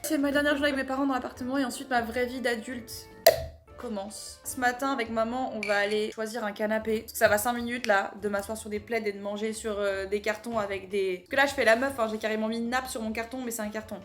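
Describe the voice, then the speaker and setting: A young woman in her twenties chats straight to camera, bubbly and teasing, pitching her voice slightly high. Soft music plays beneath her talk. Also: fairly even intonation, quick pace. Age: 20s. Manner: bubbly, playful, exaggerated teasing. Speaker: vlogger. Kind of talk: casual vlog chat to camera.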